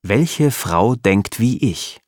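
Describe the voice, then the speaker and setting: A man reading out the boastful words of a cocky young man who loves the gym, slowly and a little higher than his narration. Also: lively intonation, darkish tone, no room sound, clean studio sound, full character voice. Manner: slow, boastful email read aloud. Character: cocky young male gym-loving show-off.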